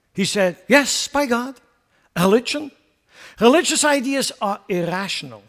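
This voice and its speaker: With a Swiss accent and an extremely high pitch, a man talks at a fairly slow pace, using lively intonation and long, frequent pauses. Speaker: preacher. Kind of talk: sermon. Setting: church.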